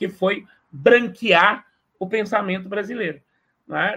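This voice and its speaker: A man's high voice is raised and projected, with a bright, sharp tone. His pitch varies in an ordinary way. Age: 50s. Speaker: anthropology professor. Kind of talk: academic panel talk.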